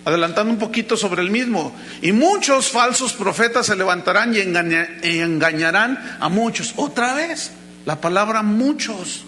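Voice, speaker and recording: A Mexican pastor delivers an emphatic sermon in a high, bright voice. He drags out key words for weight and slips into quoted voices for his stories. A faint hum sits under the recording. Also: lively intonation, normal speed. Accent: Mexican Spanish. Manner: acts out anecdotes in quoted voices.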